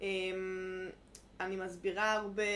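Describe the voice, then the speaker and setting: A woman with a German accent talks at medium pitch, and audible room echo surrounds her voice. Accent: German accent in Hebrew. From Germany, Munich. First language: German (speaking Hebrew). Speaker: physiotherapist. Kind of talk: interview. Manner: halting.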